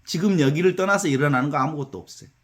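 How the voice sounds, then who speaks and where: A middle-aged man, a Catholic priest, giving a spiritual lecture in a conversational manner and telling stories with lively acted-out voices. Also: on the high side, racing. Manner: conversational, animated storytelling with acted-out counting.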